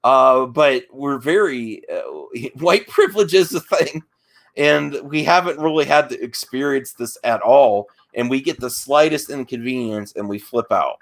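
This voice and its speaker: Male debater, mid-pitched voice, halting and defensive, arguing his side off the cuff in an online discussion. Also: gravelly. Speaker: debate guest.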